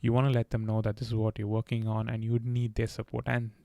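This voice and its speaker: Gravelly, flat-voiced man giving earnest advice. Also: lowish voice, quick pace, no echo. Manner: earnest, advice-giving, occasional stammers and restarts. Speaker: podcast host. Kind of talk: candid solo podcast talk.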